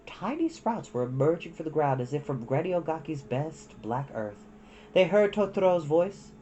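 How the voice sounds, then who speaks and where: Low-voiced woman reading a storybook expressively. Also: sing-song, normal speed, dark tone, a little hiss or hum. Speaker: storytime host reading a book aloud. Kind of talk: expressive children's storybook narration.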